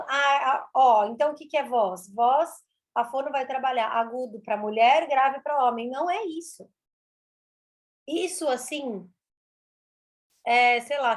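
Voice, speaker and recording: A woman, a speech therapist explaining her work in an interview, animated and repeating words for emphasis. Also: sits high. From Brazil.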